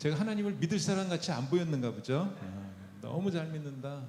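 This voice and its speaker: Audible room echo surrounds a man whose dark, mellow tone is somewhat breathy as he speaks at a moderate pace. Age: 60s. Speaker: church elder preaching. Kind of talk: sermon.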